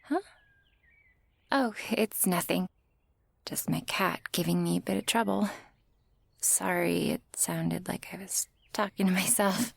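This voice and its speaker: A woman's voice: lowish voice, a little slow, long pauses, dry recording. A woman playing a friendly flower shopkeeper in a whispered ASMR roleplay. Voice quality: soft breathy whisper. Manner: friendly, softly welcoming.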